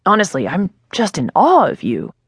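A woman reading an audiobook voices an eager, effusive male film producer who gushes with excitement. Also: fairly low pitch, moderate pace, breathy edge, no echo, studio quality, exaggerated voice. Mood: gushing. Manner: gushing, excited.

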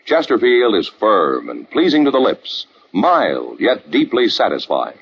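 A man's voice: lowish voice, wildly swooping pitch, unhurried, gravelly, husky. A man announcing on a 1950s radio show with a polished, emphatic delivery. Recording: dull old radio broadcast, faint hiss.

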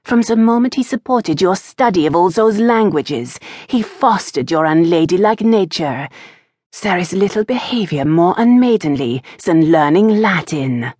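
A woman voicing a stern, proper aristocratic mother who lectures her daughter with sharp disapproval. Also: lowish voice, animated, a little slow, no room sound, studio quality, voice pushed up.

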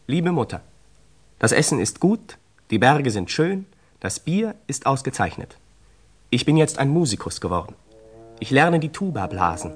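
A proud schoolboy youth reading letters home in a radio play. The voice sits at a middle pitch with lively swings, cheerful and a bit boastful. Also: male voice, moderate pace, slightly rough. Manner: bright-spirited, boastful.

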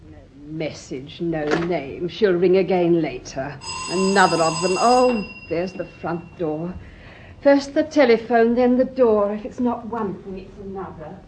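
An actress playing a fussy, grumbling elderly British housemaid, weary and deferential, in a radio drama. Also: female voice, lowish voice, unhurried, close to an everyday voice. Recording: dull, noisy old radio recording.

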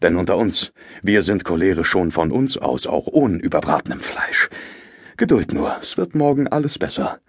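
An actor playing a loud, choleric master in a theatrical classical comedy audio drama, barking insults and switching to mock-sweet coaxing. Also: low-pitched, lively intonation, normal speed, slightly rough, heavily acted. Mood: grimly cajoling. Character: loud, choleric master bullying servants and bride.

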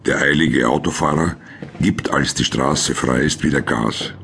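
Ein Mann mit österreichischem Akzent und rauer Stimme, der sachlich und trocken die Szenen eines Krimi-Hörspiels erzählt. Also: male voice, rumbling low, unhurried, background noise. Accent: Austrian. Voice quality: gravelly, husky. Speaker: narrator of a crime audio drama. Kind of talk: scripted scene narration in present tense.

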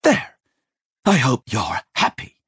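A man's voice: mid-range voice, wildly swooping pitch, slow pace, fairly bright tone, husky, no room sound, studio quality, pitched above the performer's own voice, heavily acted. A man voicing a cross, exasperated older head chambermaid who barks and scolds in a storybook reading. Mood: flustered, cross. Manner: barking, exasperated, dramatic swoops. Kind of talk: audiobook character voice.

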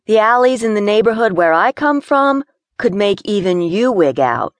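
A woman voicing a feisty young city woman who is claustrophobic and quick to panic. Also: mid-range voice, very animated, no echo, pitched above the performer's own voice, lightly acted. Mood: nervous, sassy. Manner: jumpy, sassy, quick to panic.

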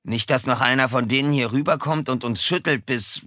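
A man's voice: medium pitch, a little fast, bright, forceful tone, no echo, studio quality, voice pushed up, natural voice. A man voicing a mocking young male bully cat in an audiobook for children. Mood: gloating. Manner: sneering, mocking. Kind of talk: audiobook character voice.

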